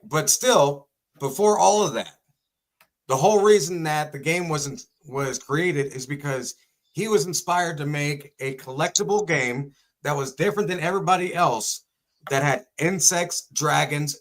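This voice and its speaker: A man's voice: fairly high pitch, fairly bright tone. A man co-hosting a talk show, chatting and telling stories casually. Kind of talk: casual chat and storytelling.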